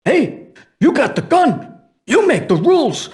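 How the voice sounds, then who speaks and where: An actor playing a nervous, cowardly mobster henchman in a crime video game, with a husky voice and a stammering, pleading manner. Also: very high-pitched, big pitch swings, unhurried, full character voice. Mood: frightened, placating. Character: jittery, cowardly New York mobster henchman.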